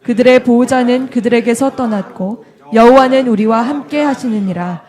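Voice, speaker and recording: Woman, scripture reader, steady measured delivery, slightly high voice. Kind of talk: scripture reading.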